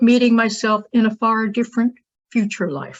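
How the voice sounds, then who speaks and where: A woman speaks at a moderate pace with a fairly high pitch. Her delivery is somewhat breathy. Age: 70s. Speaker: memoir essay author. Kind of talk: reading aloud own essay.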